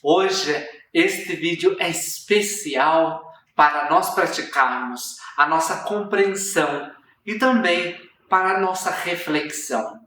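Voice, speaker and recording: Slow-speaking Brazilian Portuguese teacher. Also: mid-range voice, fairly bright tone. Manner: slow, clear narration. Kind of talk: storytelling lesson for learners. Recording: roomy echo, distant mic, faint ambience.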